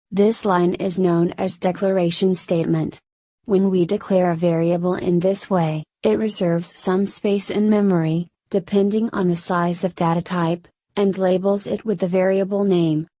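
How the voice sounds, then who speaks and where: A woman's voice: mid-range voice, no echo. Dry, robotic-sounding woman tutor. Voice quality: flat, synthetic-sounding delivery. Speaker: programming tutor. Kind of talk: scripted tutorial narration.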